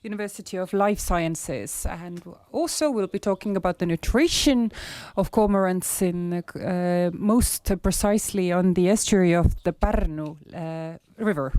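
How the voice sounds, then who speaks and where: A hoarse man with an Estonian accent delivers a conference research presentation haltingly, full of filler sounds. His voice is high with a darkish tone, and there is no room sound.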